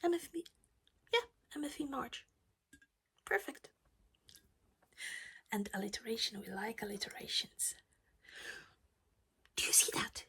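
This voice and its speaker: A woman's voice: on the high side, animated, unhurried, long pauses, sharp tone, slightly rough. A woman whispering her way through a casual cross-stitch project chat at home while losing her voice.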